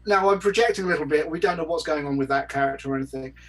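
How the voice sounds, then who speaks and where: A man's voice: fairly high pitch, very fast, far from the mic. A man speaking in a casual discussion as a panelist, articulate and wry. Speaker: podcast panelist.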